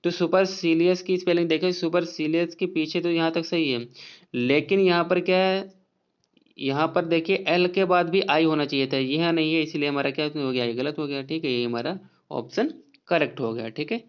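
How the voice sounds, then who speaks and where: A man's voice: a little high, moderate pace, clear, resonant tone, muffled recording. A man teaching exam spelling questions, going over each option and spelling words out letter by letter.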